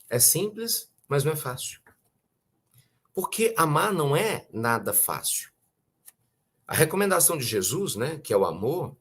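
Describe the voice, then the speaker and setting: A man with a Brazilian accent giving a conversational spiritual talk, often asking rhetorical questions and clearing his throat. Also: medium pitch, fairly bright tone. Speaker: spiritual teacher.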